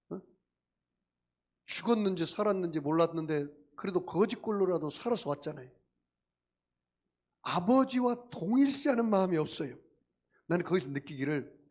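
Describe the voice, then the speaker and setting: A man's voice: fairly high pitch, darkish tone. Emphatic male pastor preaching. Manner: emphatic, rhetorical questions to the congregation. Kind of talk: sermon.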